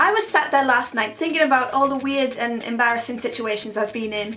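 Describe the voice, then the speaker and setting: Upbeat talk in a Welsh accent at a moderate pace, with lively intonation. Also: woman. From Wales. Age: young. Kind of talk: casual storytime talk to camera. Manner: upbeat, chatty.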